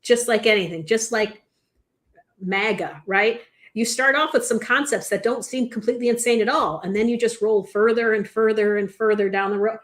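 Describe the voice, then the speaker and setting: A woman's voice: fairly high pitch, normal speed. A woman co-hosting a podcast, chatting about the news in a conversational way, often adding "you know" and "right.". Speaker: podcast co-host. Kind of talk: casual news chat.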